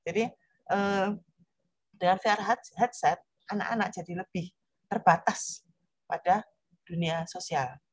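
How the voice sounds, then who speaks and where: Woman presenter, slightly low voice, conversational teaching tone, dry close recording. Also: no echo. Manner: chatty, repeats "ya kan?" and "nah", acts out children's voices. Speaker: presenter on VR for parents. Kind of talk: informal explanatory talk to parents.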